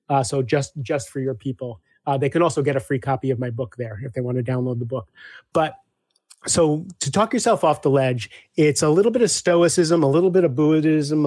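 A man speaking as a guest coach in a casual interview, animated, acting out back-and-forth dialogues with clients. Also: mid-range voice, no echo, clean studio sound.

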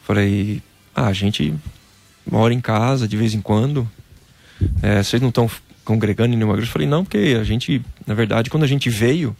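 With a medium-pitched, creaky voice at a fairly quick pace, a former Brazilian football player tells an animated personal faith story in an informal interview, peppering it with "cara."

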